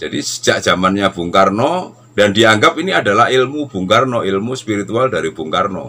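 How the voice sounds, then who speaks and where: With a normal speaking voice, a man talks at a moderate pace and a fairly low pitch, his intonation lively and his speech with hardly any pauses. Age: 50s. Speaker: spiritual teacher and motivator; spiritual teacher. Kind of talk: spiritual monologue. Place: home room. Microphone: phone near.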